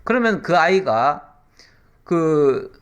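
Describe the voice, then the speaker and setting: Animated Korean pastor teaching scripture. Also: male voice, fairly high pitch, very slow, smooth. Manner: conversational teaching with acted quotes and questions to listeners. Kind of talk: sermon.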